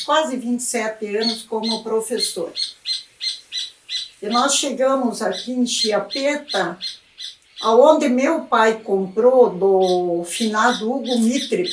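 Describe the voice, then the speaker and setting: A woman in her seventies with a rural southern Brazilian accent, reminiscing in an unhurried way in an oral history interview. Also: on the high side, a little hiss or hum. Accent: southern Brazilian Portuguese, rural Rio Grande do Sul. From rural Rio Grande do Sul, southern Brazil. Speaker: retired teacher interviewed about local history. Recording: roomy echo, distant microphone.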